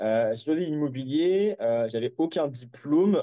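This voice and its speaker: The speaker is a man with a medium pitch. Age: 20s. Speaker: entrepreneur. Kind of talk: interview. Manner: halting, many fillers.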